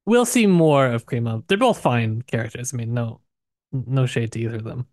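A man's voice: mid-range voice, normal speed, a little mellow, no echo. A man with a mid-range voice chats about a book as a podcast co-host. He is informal and joking, and the sound is dry with little room in it. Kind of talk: casual book discussion.

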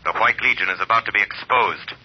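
An actor playing the Shadow, a mysterious male avenger, in a 1930s radio drama. He talks in a slow, taunting, deliberate way. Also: fairly low pitch, slightly rough. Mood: menacing. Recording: dull old radio recording.

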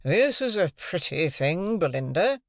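A man reading an audiobook, voicing a mild, despairing middle-aged gentleman tutor who speaks in a weary, plaintive way. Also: medium pitch, sing-song, measured pace, no room sound, clean studio sound, voice pushed up. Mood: dismayed.

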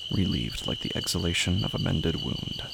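A man performing a brooding narrator of a horror audio drama, with a low voice full of heavy gravel. He delivers literary prose dramatically, in expressive swings, under loud cricket-laden noise. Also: moderate pace, heavily acted. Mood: somber.

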